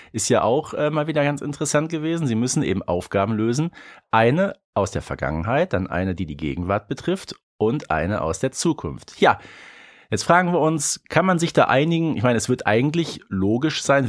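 A man's voice: medium pitch, no echo, studio quality. A man co-hosting a podcast in casual, colloquial chat, often tagging questions onto his remarks. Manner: colloquial, seeks agreement with tag questions. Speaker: podcast co-host. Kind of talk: casual chat reviewing a story.

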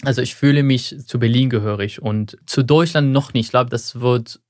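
A man's voice: medium pitch, moderate pace, no echo, clean studio sound. A young man from Syria, born to another language and speaking, answering interview questions thoughtfully and sometimes searching for words. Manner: thoughtful, searching for words, some slips in German. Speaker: guest.

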